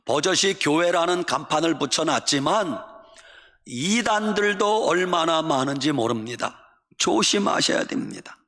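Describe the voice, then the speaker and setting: A male pastor delivers an emphatic sermon whose phrases swell into sing-song peaks. His voice is bright and sits a little high. Long reverb from the church sanctuary trails every line. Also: animated, a little slow.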